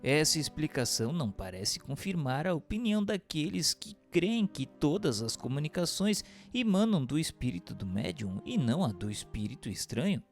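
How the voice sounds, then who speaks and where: A male narrator with a gravelly edge and a lively, swinging intonation reads formal scripted questions for a radio drama. Music plays behind him. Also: fairly high pitch, normal speed, hardly any pauses.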